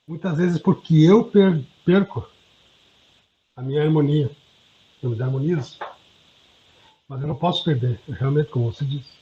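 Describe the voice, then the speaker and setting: Male participant, somewhat high voice, earnest and self-deprecating, dull muffled audio. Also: warm tone, slight background noise. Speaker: study group participant. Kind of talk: personal reflection in group discussion.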